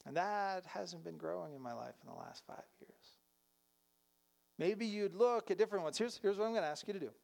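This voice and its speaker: A pastor preaching a sermon, earnestly putting reflective questions to the congregation. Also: male voice, sits high, expressive, brisk, vocal fry, a little mellow.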